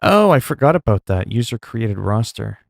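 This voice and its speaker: Low gravelly streamer. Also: male voice, very animated, normal speed, dry recording, clean studio sound. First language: French. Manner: rambling, self-talk with laughs and asides. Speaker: gaming streamer. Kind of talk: casual gameplay chat.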